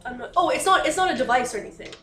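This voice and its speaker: A woman's voice: high voice, expressive, racing, fairly bright tone. A woman playing a tabletop role-playing game, explaining things casually and a little hesitantly. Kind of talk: casual in-character game discussion. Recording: roomy, distant mic, faint noise.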